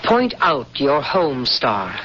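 A woman's voice: rumbling low, big pitch swings, takes it slowly, full character voice. A woman playing a stern, dogmatic young interrogator of an alien autocracy in a radio drama, speaking in a cold, formal, literal-minded way. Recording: muffled, faintly noisy old radio broadcast.

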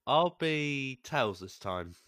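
A man's voice: mid-range voice, animated, slow pace, fairly bright tone, no room sound, clean studio sound. A man, co-hosting a podcast in a rambling, hesitant way, often trailing off mid-thought. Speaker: podcast co-host. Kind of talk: casual chat.

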